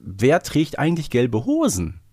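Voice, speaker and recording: Man, podcast co-host, loose conversational manner, average pitch, dry sound. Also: huge pitch swings, a little slow, a little mellow, dry recording. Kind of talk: casual conversational podcast discussion.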